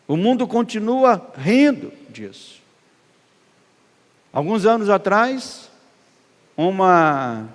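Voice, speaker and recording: A man with a Brazilian accent, preaching a sermon as pastor, emphatic and swelling loud on key phrases. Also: high voice, creaky. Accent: Brazilian Portuguese. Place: church hall. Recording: long hall reverb.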